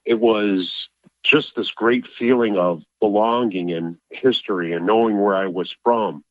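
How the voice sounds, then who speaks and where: A man's voice: lowish voice, unhurried, no echo. Man on a tinny phone line. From Chicago. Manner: sincere, reflective. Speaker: restaurant owner. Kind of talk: interview.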